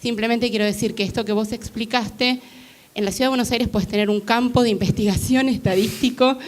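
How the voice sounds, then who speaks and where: A woman's voice: fairly high pitch, fairly even intonation, fairly quick. A woman giving a comment from the audience at a law panel, hesitant and full of filler sounds. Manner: hesitant, many filler "eh"s and restarts. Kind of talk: public Q&A comment. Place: university lecture hall.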